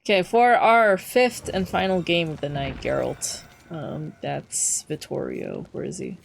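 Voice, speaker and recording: A man's voice: fairly high pitch, measured pace, creaky, slight background noise. A young trans man streaming a game from home, chatting casually with lots of fillers and wry asides. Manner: rambling, many fillers, wry. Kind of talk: casual gameplay chat.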